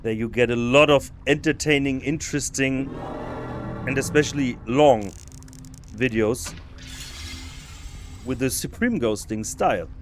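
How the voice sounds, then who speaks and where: A man's voice: medium pitch, measured pace, long pauses, faint music behind. A man streaming a stealth game live, musing aloud to himself and chatting casually with his viewers, often restarting his sentences. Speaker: podcast host streaming a game. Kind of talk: casual live gameplay commentary.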